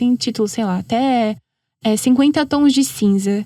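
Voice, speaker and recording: Speaking at a fairly slow pace, a woman with a Brazilian accent has a high pitch, a dark, mellow tone and ordinary pitch variation, captured in a very clean recording with a silent background. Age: 30s. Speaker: voice actress and presenter. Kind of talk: podcast interview answer.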